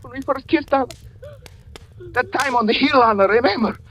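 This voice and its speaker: An actor in a 1940s radio horror drama playing a desperate husband who narrates in hushed whispers and cries out in frantic pleading. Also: male voice, very high voice, moderate pace, dull audio. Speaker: first-person narrator.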